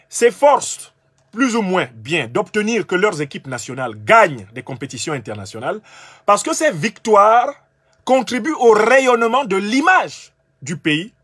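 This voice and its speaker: A man's voice: high voice, a bit bright, breathy edge, no echo, studio quality. A man from Cameroon giving a lecture-style monologue, emphatic and argumentative, speaking straight to his listeners. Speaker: political commentator.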